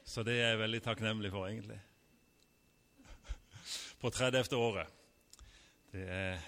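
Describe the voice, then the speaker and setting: A man's voice: lowish voice, fairly bright tone. Man preaching in a reverberant church hall. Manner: casual and personal, with frequent fillers and restarts. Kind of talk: sermon.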